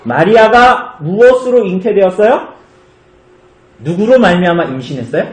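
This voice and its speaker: Lively pastor asking children questions. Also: male voice, high-pitched, moderate pace, reverberant. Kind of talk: children's sermon. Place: church.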